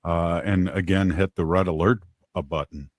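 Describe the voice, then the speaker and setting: An older man hosting a community radio show, gentle and folksy in his delivery. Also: sits low, fairly even intonation, normal speed, no room sound, clean studio sound. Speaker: radio host.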